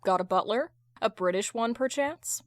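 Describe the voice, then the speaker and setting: A woman voicing a sharp, judgmental businesswoman with a blunt, sarcastic, deadpan delivery in an audio fan-fiction drama. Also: on the high side, normal speed, no echo, studio quality, natural voice. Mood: scornful.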